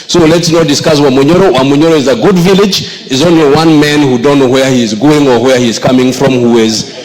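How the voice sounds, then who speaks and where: Kenyan man, medium pitch, insistent repetitive point in parliament, lots of hall echo. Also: fairly quick, crowd noise. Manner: insistent, repetitive, stumbling on phrases. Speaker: member of parliament. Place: large indoor parliament chamber. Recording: reverberant large hall.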